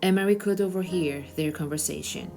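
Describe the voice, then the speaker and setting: A woman's voice: on the low side, fairly quick, vocal fry, music in the background. A woman narrator reading a children's novel aloud in a storytelling style.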